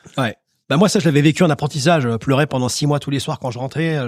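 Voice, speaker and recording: A man talks at a very fast pace. The recording is very clean, with a silent background and a dry, close sound with no echo. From Normandy, France. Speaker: chef. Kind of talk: interview. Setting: outdoor terrace by the sea. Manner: halting, many repetitions.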